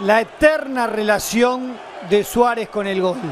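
Crowd noise fills the background as a man speaks at a very slow pace. His pitch is extremely high. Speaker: football commentator. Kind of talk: live football color commentary.

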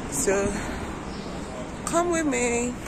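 Noticeable background noise runs under the voice. The sound is dry, with no echo. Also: woman. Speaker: vlogger. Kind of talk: casual vlog chat. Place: street. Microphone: phone near.

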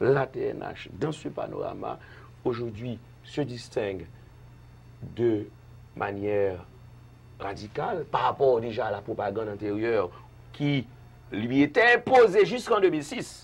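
A man talks at a very slow pace, with long, frequent pauses. His intonation is lively and his voice somewhat breathy. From Haiti. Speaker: director general of a national TV broadcaster; guest. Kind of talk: TV interview. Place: studio. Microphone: lapel.

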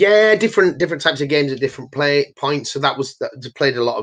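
Against a quiet background, a man with a British accent talks at a very fast pace with lively intonation. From England. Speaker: wargaming YouTuber; guest hobby channel host. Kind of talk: casual interview chat. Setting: video call. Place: home room. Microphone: video call.

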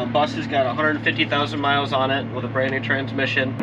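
Loud background noise behind a man's fairly quick delivery. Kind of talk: casual tour walkthrough. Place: bus. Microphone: camera far.

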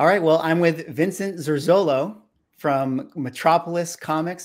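A man's voice with ordinary pitch variation comes over a quiet background. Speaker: podcast host. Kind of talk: podcast intro and interview questions. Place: home room. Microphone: studio mic.

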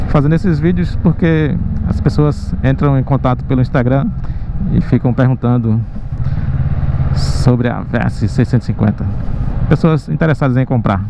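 Talking at a fairly slow pace with long, frequent pauses, a man sounds dry with no echo, against noticeable background noise. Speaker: motorcycle vlogger. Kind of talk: casual vlog chat. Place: motorbike. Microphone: helmet.

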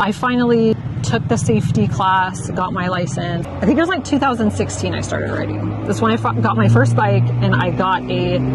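This woman speaks at a moderate pace with hardly any pauses. The sound is dry with no echo, and music plays in the background. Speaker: motorcycle vlogger. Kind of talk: casual vlog chat. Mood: relaxed, friendly. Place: street. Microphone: lapel.

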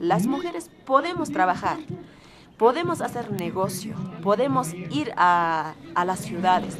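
Over noticeable background noise, a woman of medium pitch speaks at a fairly slow pace with lively intonation. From rural Puno, Peru. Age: 40s. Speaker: cattle farmer. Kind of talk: interview answer.

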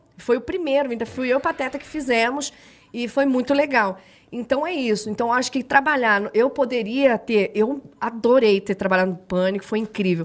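With a high pitch and ordinary pitch variation, a woman's speech moves at a moderate pace. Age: 30s. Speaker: comedian. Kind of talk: casual chat. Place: studio. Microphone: studio mic.

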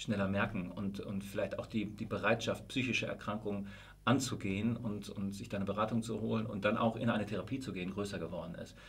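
A man talks at a very fast pace with a somewhat breathy voice. His intonation stays fairly even. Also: fairly low pitch for a man. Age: 50s. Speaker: teacher and musician; teacher. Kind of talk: interview conversation. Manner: halting with many fillers. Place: studio.

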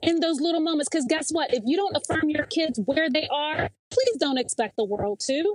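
A woman's high voice with lively intonation and a Southern US accent, dry and close with no echo. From US South. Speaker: pastor's wife and college administrator. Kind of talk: interview.

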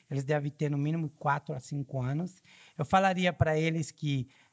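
A man talks at a moderate pace with ordinary pitch variation, his fairly high voice somewhat breathy. The background is quiet. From Brazil. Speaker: keynote speaker and customer service expert; keynote speaker. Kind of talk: interview chat. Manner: halting. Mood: relaxed, warm. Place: studio. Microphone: studio mic.

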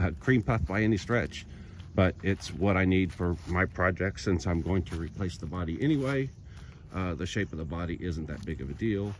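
This man has a very deep, low pitch and ordinary pitch variation, speaking at a moderate pace. The sound is dry with no echo, over light background noise. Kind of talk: casual vlog chat. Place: garden. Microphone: phone near.

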